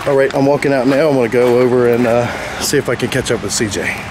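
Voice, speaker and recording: A man's voice: mid-range voice, steady tone, fast. A man in his forties exploring an abandoned motel, talking to a handheld camera at arm's length with lots of fillers. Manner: rambling with many fillers. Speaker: urban explorer vlogger. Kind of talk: casual vlog walkthrough. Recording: outdoor noise behind.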